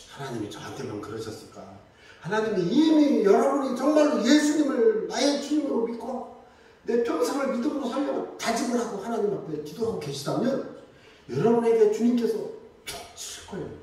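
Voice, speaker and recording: A man preaching a Sunday sermon in lively storytelling style, acting out the voices of the people in his stories. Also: extremely high pitch, moderate pace. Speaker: pastor. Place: church sanctuary. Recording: echoey church hall, mic from a distance.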